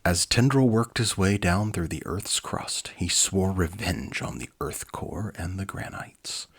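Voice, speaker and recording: Deep, husky man reading a storybook. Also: lively intonation, measured pace. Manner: easygoing, informal. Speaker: storybook reader and presenter. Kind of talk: dramatic reading with casual asides.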